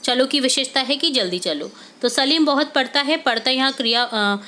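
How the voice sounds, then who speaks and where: A woman's voice: sits high, moderate pace, bright, forceful tone. A woman teacher going through workbook answers step by step, mixing English words into her explanations. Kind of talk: workbook solution lesson.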